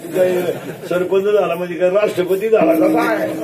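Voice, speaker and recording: Fairly even intonation from a man, with noticeable noise behind him. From Maharashtra, India. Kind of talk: comedy kirtan sermon to a live audience. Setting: live gathering with audience and microphone. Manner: humorous, punchy, preachy with jokes and audience interaction.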